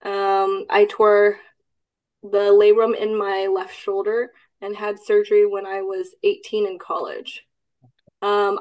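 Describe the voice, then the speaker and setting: Relaxed young woman from Texas. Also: mid-range voice, low-quality recording. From Austin, Texas. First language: Cantonese. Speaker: guest. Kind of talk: casual podcast interview.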